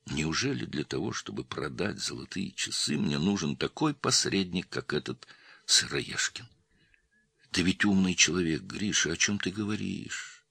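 A man voicing an old male jeweler in his seventies, who speaks slowly and quietly with calm dignity. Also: sits low, creaky, husky, no room sound, heavily acted. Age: 70s.

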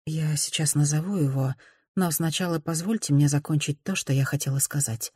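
A composed young woman, as a woman reading aloud plays her, speaking in a quiet, measured, restrained way. Her voice stays low and firm in a storybook reading. The sound is dry and close. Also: breathy edge, no room sound. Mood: calm firm.

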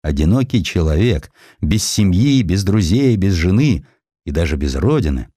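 A man narrating a historical sketch as a scripted audiobook, with an expressive, theatrical storytelling manner. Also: low-pitched, moderate pace, breathy edge, no room sound, studio quality.

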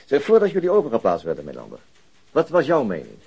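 Fast-talking, husky, frustrated police detective. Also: male voice, mid-range voice, wildly swooping pitch, darkish tone, heavily acted. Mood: probing. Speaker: actor in a radio play. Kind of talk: Dutch radio drama acting, conversational.

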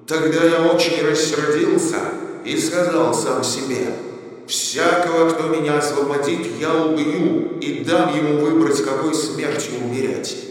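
Guy doing a big mad genie, booming, echoey like from inside a jug, sounds far off. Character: huge wrathful male genie trapped in a jug. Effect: cavernous echo on the voice. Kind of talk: audiobook fairy-tale acting. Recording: echoey, reverberant, distant-sounding.

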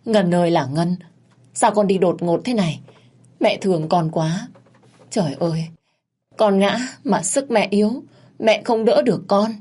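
Mụ già mưu mô, giọng kể lể nài nỉ, do một phụ nữ đọc truyện vào vai, khàn và trầm. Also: female voice, fairly low pitch, lively intonation, moderate pace, a little mellow, husky. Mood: wailing. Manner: wailing, pleading, fawning. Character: scheming older woman, fake grieving mother-in-law.

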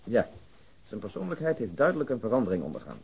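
Dry, wry police colleague. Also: male voice, mid-range voice, wildly swooping pitch, quick pace, gravelly, darkish tone, slightly rough, exaggerated voice, poor audio. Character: dry, matter-of-fact male police colleague giving case background. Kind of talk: Dutch radio drama dialogue.

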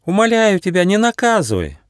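A man's voice: very animated, moderate pace, no echo, clean studio sound. A man voicing a lonely, shaggy forest prankster spirit in a children's storybook. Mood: pleading. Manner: high pleading prankster voice.

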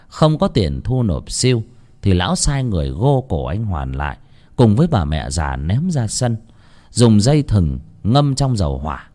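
Brief: male storyteller, low voice with lively, expressive pitch, grave and emphatic folk-tale narration.

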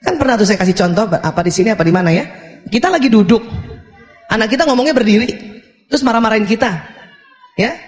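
A woman with an Indonesian accent giving a lively sermon on parenting, acting out parent-child exchanges with humor. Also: on the high side, fast, pauses often, faint music behind. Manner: animated, acts out parent-child dialogues with humor. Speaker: Islamic parenting preacher. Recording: echoey hall with long reverb.

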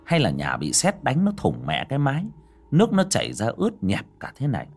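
A man's voice: medium pitch, wildly swooping pitch, fairly quick, vocal fry, husky, faint music behind. A man narrating a ghost story with dramatic, swooping delivery.

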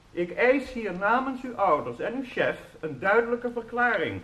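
A stern, officious chief clerk in a radio play. The voice is high for a man, formal and full of self-importance, ringing in an echoey room. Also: a bit bright. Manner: formal, pompous, scolding. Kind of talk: radio drama acting. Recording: roomy, echoing sound.

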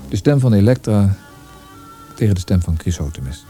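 An actor playing a weary, melancholy poet, speaking in a lyrical, introspective manner in a literary radio drama. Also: male voice, on the low side, expressive, normal speed, mellow, soft background music, lightly acted. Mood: resolute, reflective. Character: brooding, weary, melancholy male Austrian poet.

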